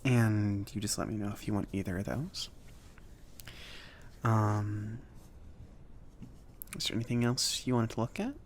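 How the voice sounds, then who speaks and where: A man playing a friendly, awkward mage who runs a potion shop, speaking softly and haltingly in a casual, chatty ASMR roleplay style. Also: on the low side, lively intonation, slight background noise. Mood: friendly, hesitant. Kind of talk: soft-spoken ASMR roleplay.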